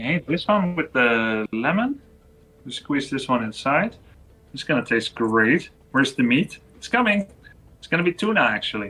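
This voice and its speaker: A man with a Dutch accent speaks at a moderate pace, his pitch fairly high and swinging very widely. His tone is bright and sharp, with big swings in loudness. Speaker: gaming streamer. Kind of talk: live-stream cooking chat. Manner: casual.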